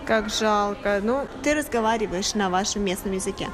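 A woman radio host chatting on a museum tour, lively and curious and asking her companion questions. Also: medium pitch, normal speed. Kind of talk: casual chat on a museum tour. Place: museum exhibition.

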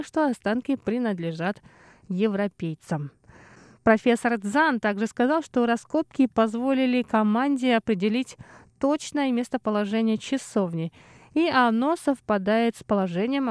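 A woman hosting a radio program, reading a scripted feature in a measured, even newsreader manner. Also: a little high, no room sound, studio quality. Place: radio studio. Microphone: studio microphone.

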